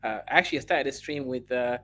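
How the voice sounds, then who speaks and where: A man's voice: medium pitch, fast talker, crowd noise. A man hosting a livestream panel, chatting loosely and jokily. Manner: loose, jokey, mocking put-on voices. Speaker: stream host. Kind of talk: casual stream chat.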